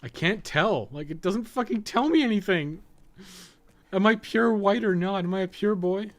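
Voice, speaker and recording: A man's voice: sits high, moderate pace. A man giving casual, rambling, sweary gameplay commentary as a streamer. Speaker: game streamer and podcast co-host.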